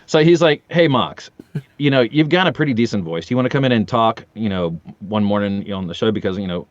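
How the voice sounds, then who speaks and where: A man's voice: lowish voice, fast, a little hiss or hum. Chatty man in his forties, slightly muffled. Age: 40s. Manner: animated storyteller, acting out quoted dialogue. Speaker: podcast guest, audio drama voice actor. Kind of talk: casual anecdotal chat.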